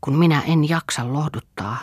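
A woman's voice: deep voice, darkish tone, slightly rough, no room sound, studio quality. A woman reading the part of an ill young mother in an audiobook, pleading and tender.

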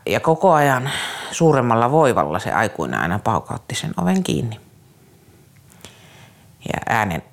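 Gravelly-voiced man recounting a hard memory. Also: on the low side. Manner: halting, with frequent restarts; earnest, troubled storytelling. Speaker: former youth care counselor. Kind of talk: personal recollection in an interview.

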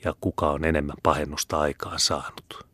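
A man's voice: a bass voice, little pitch movement, a bit bright, husky, no room sound, full character voice. A man voicing a haughty, domineering older Jesuit superior who speaks in a scornful, commanding way in a storybook reading. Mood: menacing.

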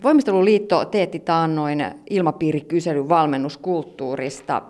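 A woman's voice: sits low, a little mellow. A woman hosting an interview, asking questions and adding her own points in an engaged way. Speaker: podcast host.

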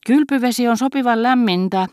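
A woman's voice: on the high side, a little mellow, clear, resonant tone, no echo, studio quality, voice pushed up, lightly acted. A woman reading the part of a timid doctor's wife who mumbles, flustered after dozing.

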